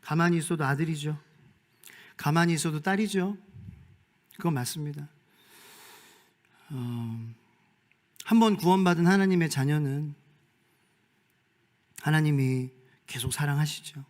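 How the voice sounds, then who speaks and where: High-voiced Korean pastor preaching. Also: male voice, unhurried, pauses often. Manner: swings from soft whispers to loud shouted calls. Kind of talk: sermon.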